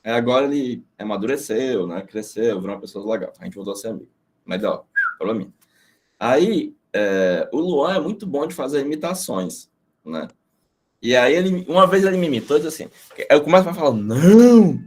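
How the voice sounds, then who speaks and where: A man's voice: mid-range voice, brisk. A middle-aged man from Brazil teaching an informal online class, telling casual, profane stories. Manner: animated storytelling, casual and profane.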